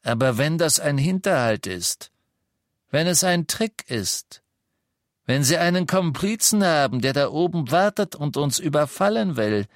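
A man voicing a brutal dark wizard with a rough voice, sneering and bellowing threats. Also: fairly high pitch, lively intonation, a little slow, no room sound, clean studio sound, voice pushed up. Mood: menacing.

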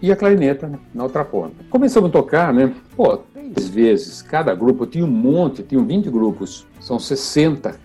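An older Brazilian man, an oboist, telling lively anecdotes in an interview, acting out quoted dialogue and laughing often. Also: medium pitch, moderate pace, few pauses, breathy edge, soft background music. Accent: Brazilian Portuguese.

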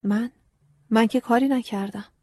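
A scarecrow who has turned into a living man, curt and cold toward the girl, as a woman reading the audiobook puts him on. The voice is very husky and warm-toned. It is recorded dry and close. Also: on the high side, fairly even intonation, dry recording. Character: scarecrow come alive, grown man, gruff and aloof.

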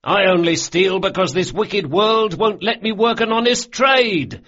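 A man's voice: high-pitched, measured pace, muffled recording, voice pushed up. A man voicing a boisterous young male thief, a twin, crying out a mock complaint. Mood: mock lament. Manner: loud, crying out mockingly.

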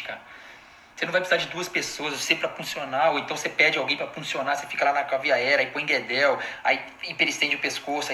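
A Brazilian man lectures colleagues over a live stream in a loose, chatty way, tossing in slang and asides. His voice is bright and a touch high. The audio sounds roomy, with a faint hiss behind it. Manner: informal and animated, full of slang and quick asides to the audience. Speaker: anesthesiologist giving a live online lecture. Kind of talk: casual live-stream teaching talk.

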